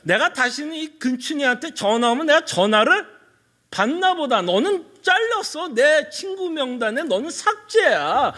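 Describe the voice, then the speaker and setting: A man putting on an old friend who has been insulted, scolding with indignation. The voice is high for a man and swings widely, like a preacher acting out a story in a sermon. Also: very animated, brisk, fairly bright tone, full character voice. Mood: indignant. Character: offended old male friend cutting ties.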